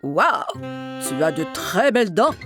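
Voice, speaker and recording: A kindly male dentist in a children's cartoon. The delivery is slow and encouraging with a lively swing in pitch, over faint music. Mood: friendly, impressed.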